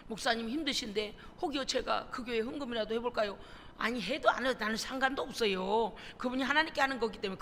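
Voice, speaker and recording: A woman pastor preaching a sermon, animated and emphatic, acting out conversations as she tells stories. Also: on the high side, big-room sound. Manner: animated storytelling, acting out phone calls. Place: church sanctuary.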